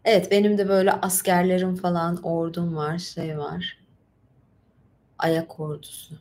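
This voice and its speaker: Speaking at normal speed, this livestream host has a lowish, darkish voice and a flat delivery as she reads aloud and rambles casually between passages. The recording is echoey, with faint noise in the background.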